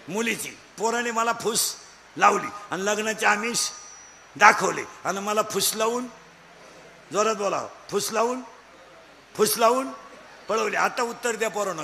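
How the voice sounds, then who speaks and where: A man giving a comic devotional kirtan sermon, scolding and bantering with the crowd and shouting at the peaks. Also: sits high, moderate pace, vocal fry, pauses often. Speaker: kirtan preacher. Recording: echoey hall with faint background noise.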